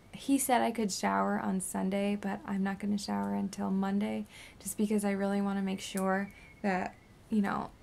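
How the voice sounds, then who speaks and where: Sore raspy-voiced young woman chatting to camera, tired, drifts into whispers, faint hiss behind. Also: medium pitch. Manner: rambling, drifting into soft whispers. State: tired and sore after surgery. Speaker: beauty vlogger. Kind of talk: casual post-surgery update vlog.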